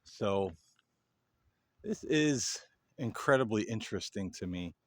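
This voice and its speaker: A man with a low voice talks straight to his viewers as the host of a paranormal video. His delivery is casual and earnest, coming in halting phrases that sometimes trail off. The sound is dry, with very little room around the voice. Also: lively intonation, no room sound. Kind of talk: casual explanatory monologue to viewers.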